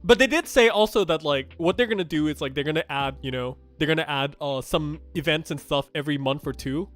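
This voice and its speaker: A young man from Thailand, whose first languages are Thai and Japanese, speaks English in a slightly high voice. He rambles through game news in a blunt, chatty way, full of fillers and restarts. Soft music plays quietly behind him. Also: fairly quick. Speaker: gaming streamer. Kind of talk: casual game news reaction commentary.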